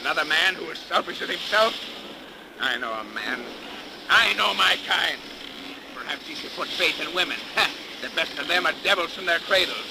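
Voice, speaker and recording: An actor playing a defiant, blasphemous sea captain in 1930s radio melodrama, declaiming theatrically in archaic speech. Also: male voice, on the high side, lively intonation, moderate pace, gravelly. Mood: scornful. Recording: noisy 1930s radio recording.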